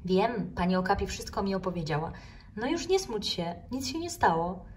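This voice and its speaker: A woman playing a gentle capybara counselor. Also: on the low side, expressive, recorded from a distance, a little hiss or hum, close to an everyday voice. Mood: kind. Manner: soothing, slow, friendly. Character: kind gentle female capybara school counselor.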